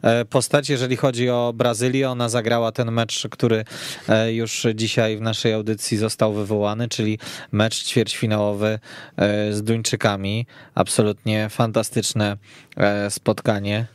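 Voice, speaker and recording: A man hosting a radio sports discussion in a measured way. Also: lowish voice, little pitch movement, clean tone, no echo, clean studio sound. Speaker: radio podcast host. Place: radio studio.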